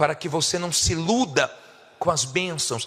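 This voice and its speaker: A man's animated tone comes with lively intonation. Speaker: bishop preacher. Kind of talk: sermon.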